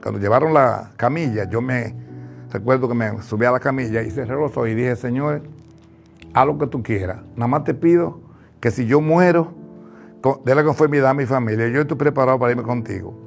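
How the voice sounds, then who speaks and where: A Dominican man in his sixties telling his life story in an interview, animated, acting out what others said, on a lapel mic in a studio. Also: medium pitch, brisk, gravelly, soft background music. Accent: Dominican Spanish. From Dominican Republic. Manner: animated, acts out quoted speech. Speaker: interviewee giving a testimony. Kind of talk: emotional personal storytelling. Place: studio with virtual backdrop.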